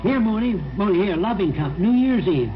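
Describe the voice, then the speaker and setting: A man's voice: sits high, lively intonation, fairly quick, lo-fi sound. An actor playing a folksy, informal small-town man in a 1940s radio drama on an old broadcast disc. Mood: cheerful, sentimental.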